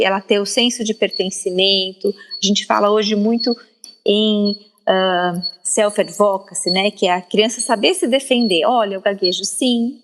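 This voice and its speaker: A woman's voice: mid-range voice, fairly bright tone. A Brazilian woman speaking as a guest speech therapist on a podcast, explaining in a didactic, emphatic way with frequent tag questions. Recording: long reverb, faint background noise.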